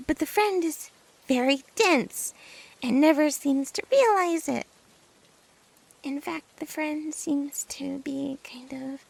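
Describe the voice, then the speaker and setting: A woman's voice: sits high, gravelly, exaggerated voice, poor audio. A woman playing a nervous, lovestruck girl best friend in an ASMR roleplay, stammering and hesitant, often dropping toward a whisper. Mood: awkward, anxious. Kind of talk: ASMR roleplay acting, addressed to the listener.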